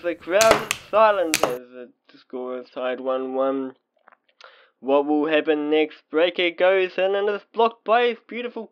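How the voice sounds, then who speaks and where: Unhurried, higher-voiced affectionate boyfriend, acted by a man. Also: smooth, highs cut off. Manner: doting, pet names, mock sports commentary. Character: affectionate, playful, excitable young boyfriend on a date. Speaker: audio roleplay performer. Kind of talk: ASMR boyfriend roleplay.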